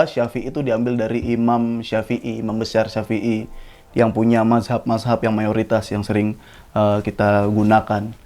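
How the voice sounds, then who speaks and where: A talkative male comedian in his 20s from Jakarta, Indonesia, tells a comic stand-up story in a studio, with some background noise. His delivery is casual and slangy, with lively jumps in pitch.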